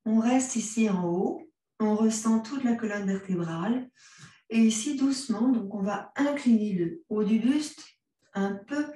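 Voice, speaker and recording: A woman with a French accent leads a yoga class in a slow, soothing way. Her voice is mellow and her cues are gentle. She sounds far from the mic in a very echoey room. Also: fairly high pitch. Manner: calm, gentle cues, mixes vous and tu. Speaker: yoga instructor. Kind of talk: guided yoga class instruction.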